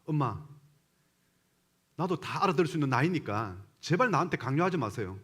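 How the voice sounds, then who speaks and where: A man's voice: on the high side, big pitch swings, a little fast, a bit bright, husky, heavily acted. A man voicing a defiant teenage son who talks back to his mother, pleading and exasperated, inside a sermon. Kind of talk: quoted dialogue within a sermon.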